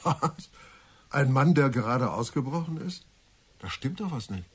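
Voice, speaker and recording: An actor playing an inquisitive, sceptical police assistant in a radio drama, speaking conversationally. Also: male voice, medium pitch, lively intonation, a little slow, slightly rough. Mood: curious. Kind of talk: German radio drama acting.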